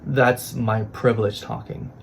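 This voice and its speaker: Slow-talking man over clear background noise. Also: on the low side, level tone. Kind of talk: scripted confessional monologue, reader's theater.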